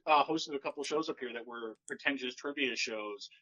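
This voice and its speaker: A man in a casual podcast chat, a comedian with a mostly deadpan, monotone delivery that kicks up when he rants. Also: medium pitch, moderate pace, muffled recording. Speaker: stand-up comedian guest.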